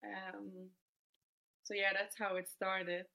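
A woman in her twenties from Denmark, telling her story as a guest in a podcast interview, relaxed and thoughtful. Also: medium pitch, slow pace, gravelly. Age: 20s. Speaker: guest footballer.

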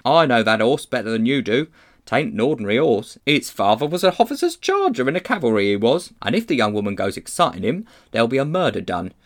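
A man voicing a working-class cab driver, gruff but kindly, talking in an earnest, colloquial way in a storybook reading. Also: medium pitch, sing-song, quick pace, close to an everyday voice. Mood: urgent protest.

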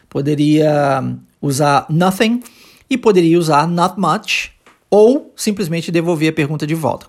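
A Brazilian English teacher at a middling pitch hosts an informal podcast lesson. He explains things plainly in a conversational, emphatic way, often checking in with short tag questions.

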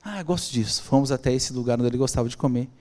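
A man with a Brazilian Portuguese accent telling a personal story as a podcast guest, acting out the dialogue in an animated way. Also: mid-range voice, fast. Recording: long hall reverb.

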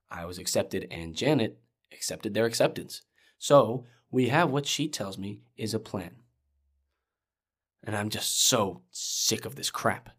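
An earnest teenage boy venting in an audio drama. His voice is fairly low and breathy. He talks casually, fed up and exasperated. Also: a bit bright. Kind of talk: dramatic podcast monologue.

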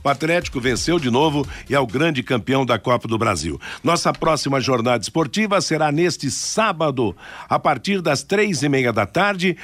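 A man hosts a sports radio show in a fairly high, very animated voice. He shifts between presenting the sports news and chatting casually, in a dry studio sound. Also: dry recording. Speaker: sports radio programme host.

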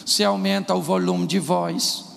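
Pastor, male, high gravelly voice, animated sermon delivery, echoey hall recording. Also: moderate pace. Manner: animated preaching, acts out quarrels in put-on voices. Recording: echoey hall with faint noise.

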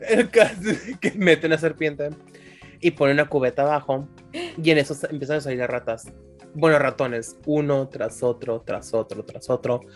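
A woman's voice: low voice, normal speed, faint music behind. A woman with a Mexican accent telling slangy stories in a casual chat and often laughing, talking over headphones on a remote call. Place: home room, remote call.

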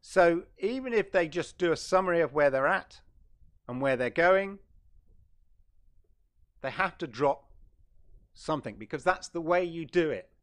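Hosting a relaxed gaming stream, a middle-aged man speaks in a fairly high, fairly bright, expressive voice, taking his time and pausing often. He rambles and chats freely, regularly correcting himself.

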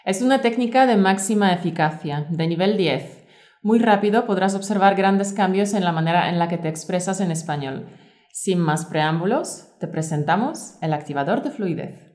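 Female teacher, co-host, reading a course script clearly and evenly. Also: on the low side, normal speed, darkish tone. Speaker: Spanish teacher, podcast co-host.

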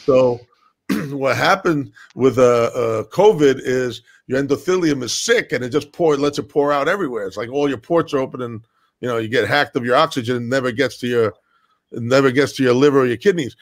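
A man of middle pitch talks in a loose, rambling way, starting over often and leaning on "uh" and "you know." He is blunt and swears without holding back, like a guest spinning a story in a relaxed podcast chat. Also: fairly quick. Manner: many fillers and restarts. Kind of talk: casual chat.

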